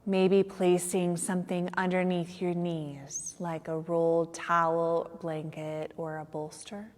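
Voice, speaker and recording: Slow-speaking woman guiding meditation, long reverb. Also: on the low side, level tone, darkish tone. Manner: soothing, unhurried, with long pauses. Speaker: yoga nidra meditation teacher. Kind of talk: guided meditation. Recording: long reverberant hall-like echo.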